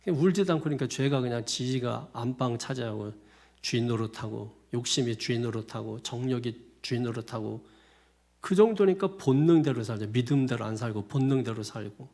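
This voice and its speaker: Here a man of medium pitch, somewhat mellow, preaches briskly and expressively. His sermon is loose and colloquial, full of repetition and chuckling asides.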